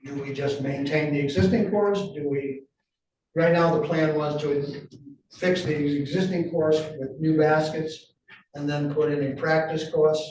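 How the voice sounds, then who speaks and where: A man's voice: fairly high pitch, fairly even intonation, a little mellow. Distant, echoey man with a New England accent. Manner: halting, many restarts and fillers. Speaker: board member. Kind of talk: public meeting discussion. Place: county meeting room. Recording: roomy, distant, dull sound with faint noise.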